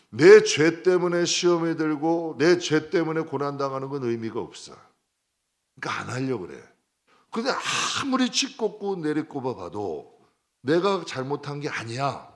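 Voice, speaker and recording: Male pastor, lively preaching, high-ish voice swinging wide, jumping from loud outbursts to hushed asides. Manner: lively, conversational preaching with sudden loud and soft turns; acts out prayers and dialogue in a raised voice. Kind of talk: sermon.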